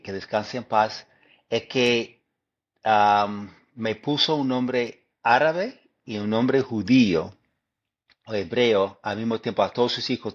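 A man from Detroit with an American English accent, a guest speaking Spanish as a second language, pausing and restarting often as he recounts. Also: mid-range voice, lo-fi sound. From Detroit, United States. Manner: thoughtful, halting, many fillers and restarts. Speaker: guest historian. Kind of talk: interview conversation.

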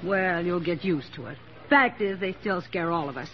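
An actress playing a clipped, matter-of-fact nurse commandant in a 1940s radio drama, on a dull old radio recording. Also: female voice, lowish voice, moderate pace, soft background music, close to an everyday voice.

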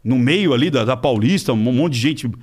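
A man's voice: medium pitch, moderate pace. A man telling a story in casual chat as an interview guest, acting out other people's voices and swearing freely. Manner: animated, acts out quoted voices.

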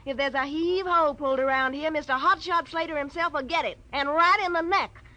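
A woman's voice: high voice, a little fast, bright, forceful tone. An actress playing a brassy, hot-tempered, tough-talking young girlfriend in a 1940s radio detective drama. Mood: defiant. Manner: slangy, tough-talking, defiant. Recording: old radio recording with background noise.

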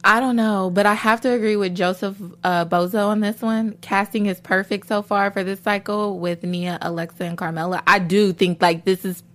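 A woman's voice: medium pitch, steady tone, moderate pace, few pauses. A woman co-hosting a TV after-show, chatting casually and animatedly with many fillers. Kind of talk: casual chat.

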